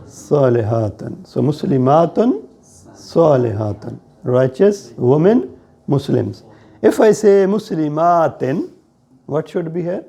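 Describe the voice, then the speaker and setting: A man with a South Asian accent teaching a grammar lesson in a deliberate, explanatory way, often checking with questions. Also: on the high side, sing-song, vocal fry, dark tone. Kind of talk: classroom lesson on Arabic grammar.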